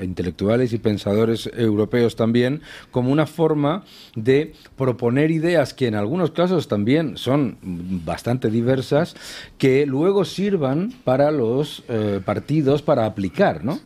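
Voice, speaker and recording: A man commenting on a radio panel, explaining in a measured way. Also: medium pitch, warm tone.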